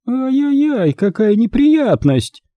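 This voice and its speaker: A man's voice: extremely high pitch, very animated, takes it slowly, no echo, highs cut off, voice pushed up, exaggerated voice. A male reader voicing a strict, stately middle-aged aunt who speaks coldly and haughtily. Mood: haughty. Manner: haughty, cold and scolding.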